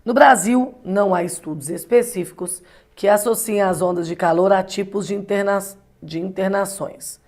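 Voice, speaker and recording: A woman's voice: mid-range voice, moderate pace, darkish tone. A woman from Brazil giving an exam-prep lecture as a Portuguese teacher, explaining step by step and often asking rhetorical questions. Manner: explanatory, asks rhetorical questions, frequent tag "né".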